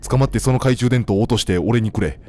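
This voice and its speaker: A young man with a Kansai accent giving casual, joking commentary while playing a game, talking to the characters and shouting now and then. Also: mid-range voice, fast. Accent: Kansai Japanese. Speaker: gameplay commentator. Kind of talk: casual let's-play commentary. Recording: faint game music behind.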